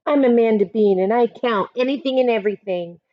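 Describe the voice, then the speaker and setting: A woman's voice: on the high side, brisk, dry recording, lo-fi sound, natural voice. A woman voicing an eager, proud young girl in a storybook, speaking in earnest, emphatic declarations.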